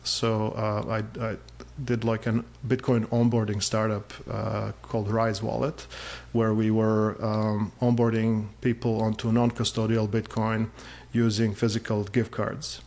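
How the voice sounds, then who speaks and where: A man's voice: lowish voice, little pitch movement, unhurried, a little mellow. A man in his forties from Serbia, chatting casually as an interview guest, with lots of fillers and a self-deprecating humor.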